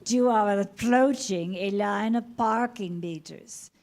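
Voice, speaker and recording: A woman voicing a bossy, sassy car navigation system in a staged comedy reading, announcing deliberately. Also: mid-range voice, creaky, darkish tone. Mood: bossy, unflappable. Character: bossy female car GPS with sassy flair.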